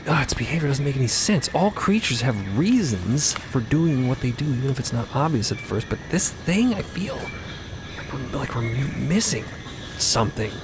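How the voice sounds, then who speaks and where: A man's voice: medium pitch, very animated, moderate pace, noisy background. A man acting in an audio drama with an earnest, thoughtful delivery.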